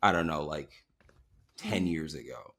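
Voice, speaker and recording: A man in his thirties chatting casually on a podcast, telling animated stories and acting out quotes with laughs. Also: extremely low pitch, unhurried, crowd noise. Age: 30s. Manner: animated storyteller, laughs often, acts out quotes. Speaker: guest co-host.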